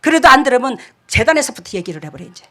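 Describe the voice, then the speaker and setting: A woman pastor preaching a sermon, scolding and emphatic, jumping between loud outbursts and quiet asides. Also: high-pitched, very animated, very fast.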